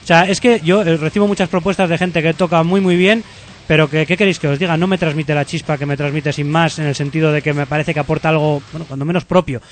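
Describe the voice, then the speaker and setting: A man runs a casual interview at a brisk clip. His voice sits a little high, and he chats freely, breaking off and restarting his words. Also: steady tone, slight background noise. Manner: chatty, self-interrupting, stammers on restarts. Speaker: radio interviewer.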